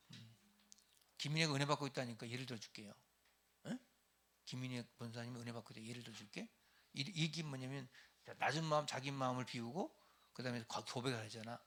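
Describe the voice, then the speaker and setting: A middle-aged man pastor preaching a lively sermon to church leaders, acting out everyday quarrels in raised voices. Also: mid-range voice.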